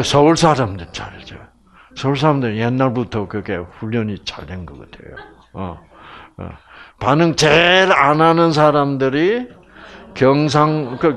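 A man's voice: medium pitch, a bit bright. A man with a Gyeongsang Korean accent giving a humorous lecture to an audience as a health program lecturer, telling jokes like a storyteller and asking the audience questions.

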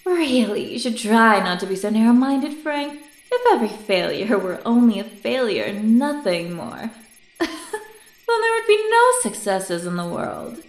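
A woman's voice: a little high, big pitch swings, a little slow. A woman playing a condescending, wordy scientist in an audio drama, with theatrical delivery. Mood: condescending, amused. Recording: roomy, echoing sound.

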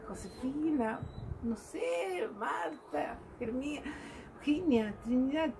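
A woman's voice: on the high side, warm tone, a little hiss or hum, poor audio. A woman giving a fervent devotional reflection and calling her listeners dear brothers. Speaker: lay preacher. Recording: music playing behind her.

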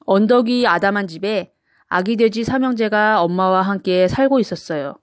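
Woman narrator for bedtime picture books, mid-range pitch, expressive reading for small children, dry sound. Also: normal speed, dry recording. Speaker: storyteller.

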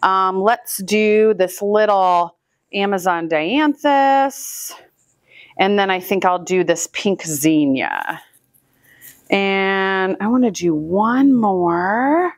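A woman in her thirties chats to the camera as she works with her hands, moving easily from explanation to small asides. Her pitch sits in a comfortable middle range, and the room sound is dry and close. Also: expressive, very slow, dry recording. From Northwest Iowa, US. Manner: chatty, upbeat, talks while handling flowers. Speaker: flower farmer and channel host. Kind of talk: casual how-to narration while working. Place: indoor room with flower buckets. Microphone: far camera, hands-free.

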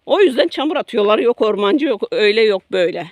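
Very animated and quick, a middle-aged woman with a fairly high voice vlogs to her followers from her garden by a road near woods, with no echo. Her emotional speech begins indignant and ends apologetic, full of repetition.

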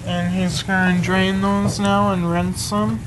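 A young man presenting a cooking show on a TV studio kitchen set, explaining each step in a plain, halting way. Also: high voice, little pitch movement, noisy background. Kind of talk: kitchen demonstration.

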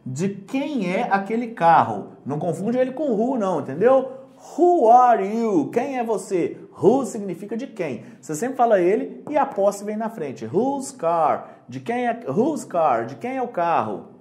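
A man with a Brazilian Portuguese accent teaching English for an exam in a casual, joking way. He reads English examples slowly and translates them. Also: high voice, big pitch swings, a little mellow. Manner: casual, joking, keeps checking "entendeu?". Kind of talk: online lesson.

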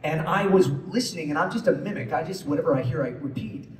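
A man's voice: a little high, quick pace. A man on a convention panel telling playful anecdotes into a handheld mic, slipping into character voices. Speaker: voice actor panelist. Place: large convention hall. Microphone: handheld mic, filmed from the audience over the PA. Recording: echoey hall from far off with noise.

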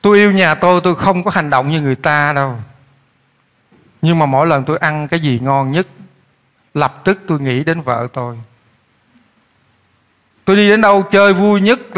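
A male pastor, preaching a lively sermon that swings between loud urging and quiet asides while he keeps questioning the congregation. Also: on the high side, normal speed, long pauses. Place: church hall. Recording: echoey church hall.

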